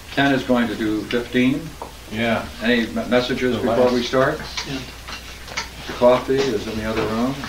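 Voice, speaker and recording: A man speaks at a moderate pace in a monotone, flat way. Noticeable background noise is audible. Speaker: study group teacher. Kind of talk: lecture. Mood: relaxed, humorous. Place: classroom. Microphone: old recording.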